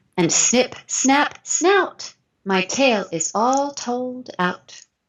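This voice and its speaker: A woman speaks very slowly in a high voice, her pitch swinging very widely. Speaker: storyteller and music teacher. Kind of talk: storytelling. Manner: gentle storytelling cadence.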